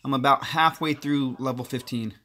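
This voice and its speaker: A man's voice: medium pitch, steady tone, normal speed, sharp tone. A man hosting a gaming livestream, chatting casually and thinking aloud, with many filler words. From partly Korean heritage. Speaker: livestream host.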